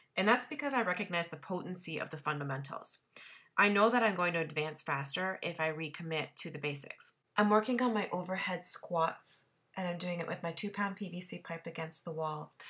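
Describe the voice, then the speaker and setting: A woman speaks at a fairly quick pace in a fairly low voice with a bright, sharp tone and ordinary pitch variation. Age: 30s. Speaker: fitness vlogger and CrossFitter. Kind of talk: vlog narration.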